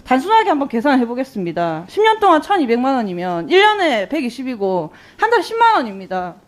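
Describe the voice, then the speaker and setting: A woman's voice: high-pitched, wildly swooping pitch, fast talker. A woman in her twenties, a lawmaker questioning an executive in a parliamentary hearing with pointed, indignant rhetorical questions. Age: 20s. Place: national assembly hearing room. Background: faint guitar music.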